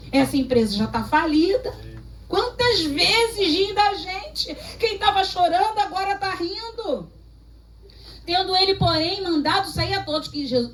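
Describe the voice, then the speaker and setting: A woman's voice: sits high, a little hiss or hum. A Brazilian woman pastor preaching a sermon, telling stories and acting out dialogue as she exhorts the congregation. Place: church hall. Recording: echoey church hall, mic at a distance.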